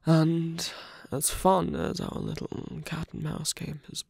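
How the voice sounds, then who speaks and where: Very close and dry, a man acts out a wounded, gentlemanly villain in an ASMR audio roleplay. The voice is breathy with a gravelly creak, often fading to a whisper. He speaks slowly, politely and haltingly, weakened yet tender and wry. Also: fairly high pitch, level tone, no room sound, heavily acted. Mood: tender, hesitant. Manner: hesitant, halting, polite and formal. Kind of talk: intimate ASMR roleplay acting.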